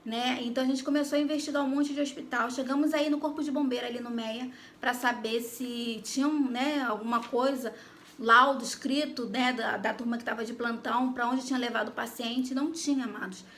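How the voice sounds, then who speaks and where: Brief: Brazilian woman, high bright voice, animated faith testimony to her viewers, faint noise behind. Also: a little fast. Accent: Brazilian Portuguese. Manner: animated, addresses listeners directly. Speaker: Christian YouTuber giving testimony. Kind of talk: personal faith testimony storytelling.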